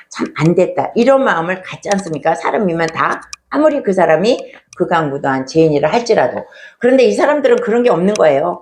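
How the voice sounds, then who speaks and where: A woman's voice: fairly low pitch, darkish tone, slight background noise. Conversational woman pastor preaching. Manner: storytelling, conversational, asks rhetorical questions. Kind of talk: sermon.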